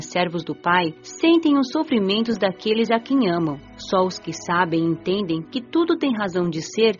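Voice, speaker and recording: A woman's voice: mid-range voice, natural voice. A Brazilian woman playing a compassionate young female spirit, narrating an audiobook in the first person in an earnest, reflective way. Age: young adult. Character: Patrícia, reflective, compassionate nineteen-year-old female spirit. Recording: dull lo-fi audio with music behind. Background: music.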